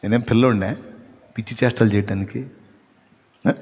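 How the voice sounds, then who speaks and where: A man's voice: on the low side, fairly even intonation, fairly quick, darkish tone, breathy edge, big-room sound. A male pastor preaching a live sermon, firing rhetorical questions at the congregation and teasing them with acted asides. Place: church hall.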